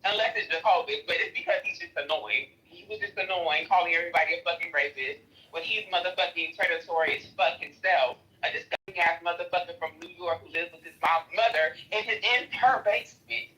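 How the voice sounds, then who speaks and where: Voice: medium pitch, a little fast, sharp tone, low-quality recording. A speaker with an African American accent arguing emphatically and confrontationally in a live audio chat, swearing freely. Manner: emphatic, confrontational, profanity-laden. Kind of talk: heated argument on a live audio chat app.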